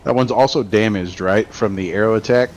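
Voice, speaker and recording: A man chatting casually as a player in a tabletop game, blunt and quick to swear. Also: lowish voice, a little mellow, a little hiss or hum, low-quality recording.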